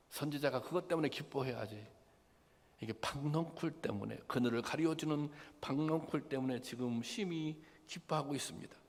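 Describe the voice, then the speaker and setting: A man's voice: fairly high pitch, darkish tone. A male pastor preaching a sermon, asking the congregation rhetorical questions and sometimes voicing the figures in a plain conversational tone. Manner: acts out quoted lines in a plain conversational voice. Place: church sanctuary. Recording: long hall reverb.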